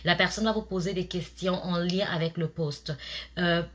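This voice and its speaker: A woman in her thirties who immigrated to Canada chats casually to the camera, offering job interview tips to her viewers. Her voice is lowish and steady at a moderate pace, with plenty of fillers and restarts.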